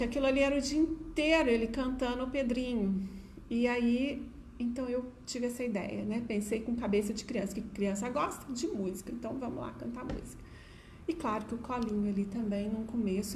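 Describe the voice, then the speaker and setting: A middle-aged Brazilian woman with a Brazilian Portuguese accent tells stories in a warm, chatty voice that sits a little high. She sprinkles her talk with diminutives and "né?" asides. The sound is roomy and echoey, with a faint hum of ambient noise behind it. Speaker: educator sharing stories. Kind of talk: casual storytelling talk to viewers.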